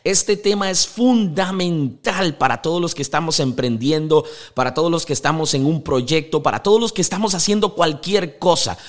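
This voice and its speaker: A young adult man with a Costa Rican accent, hosting a motivational podcast and speaking in an energetic, emphatic, preaching manner. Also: fairly high pitch, normal speed, few pauses. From Costa Rica. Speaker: podcast host.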